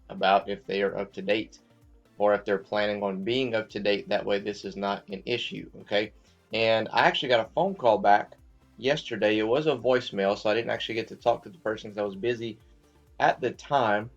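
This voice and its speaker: A man's voice: fairly low pitch, highs cut off. A man hosting a finance channel, talking casually to his viewers with lots of fillers and checking in with "okay?" as he goes. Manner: loose and chatty, many fillers, checks in with "okay?". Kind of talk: casual market commentary to viewers.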